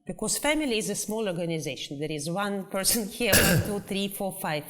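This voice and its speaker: Animated woman interviewer. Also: mid-range voice, a little fast. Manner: animated, conversational questioning. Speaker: interviewer host. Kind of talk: interview questions.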